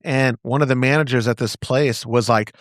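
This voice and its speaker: A man's voice: medium pitch, steady tone, moderate pace, no echo, clean studio sound. A man co-hosting a podcast, chatting casually and joking about himself, then reading a sponsor ad. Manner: jokey, self-mocking, breaks into silly sung bits. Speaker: podcast co-host. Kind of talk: casual banter and ad reads.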